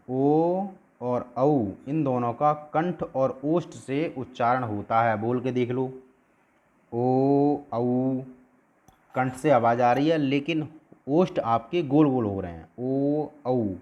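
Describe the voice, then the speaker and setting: A male teacher giving an explanatory lesson at a board. He asks questions and answers them himself, and sounds out each letter slowly to demonstrate. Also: mid-range voice, a little mellow, highs cut off.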